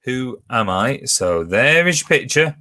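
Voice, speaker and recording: Chatty male quiz host, lively pitch. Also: measured pace. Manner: chatty, reads questions then answer options aloud. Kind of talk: live online pub quiz hosting. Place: home.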